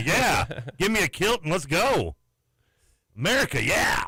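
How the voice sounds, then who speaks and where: A man's raspy, put-on character voice, high in pitch, at a moderate pace. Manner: joking, exaggerated.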